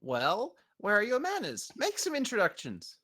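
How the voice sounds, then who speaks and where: A woman's voice: medium pitch, wildly swooping pitch, normal speed, fairly bright tone, husky, exaggerated voice. A woman voicing a young, bubbly, chatty female pony in a cartoon audio drama. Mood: indignant.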